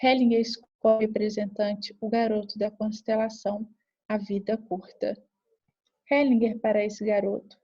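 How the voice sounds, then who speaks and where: A woman calmly reading aloud the account of a group therapy session, in a measured narration. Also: mid-range voice, dull audio. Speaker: reader.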